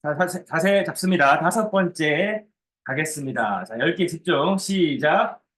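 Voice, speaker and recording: A man's voice: fairly high pitch, expressive, unhurried, a bit bright. A man leading a group workout as a fitness coach, counting reps and giving short, commanding cues with encouragement. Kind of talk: live exercise class instruction with counted reps.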